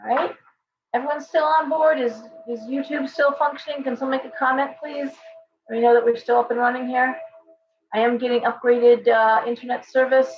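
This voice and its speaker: Brief: hoarse woman, chatty tarot livestream host, off-mic in an echoey room, dull sound. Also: on the high side, recorded from a distance. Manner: chatty, thanks viewers by name, restarts often. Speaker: tarot reader hosting a livestream. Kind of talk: casual livestream tarot reading.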